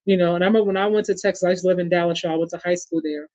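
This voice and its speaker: A man's voice: high-pitched, level tone, racing, a little mellow, no room sound. Man, New York accent, chatty sports-show host, reads viewer comments; dry, lo-fi audio. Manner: chatty, addresses the audience as y'all and reads viewer comments aloud. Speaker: podcast host. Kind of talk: casual sports chat. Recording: dull lo-fi sound.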